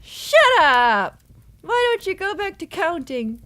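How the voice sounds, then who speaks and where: A woman doing a brash, very high-voiced sarcastic fantasy girl. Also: sing-song, takes it slowly, fairly bright tone, exaggerated voice. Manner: brash, snappy, taunting. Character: hot-tempered, sarcastic, mocking young woman in a fantasy game.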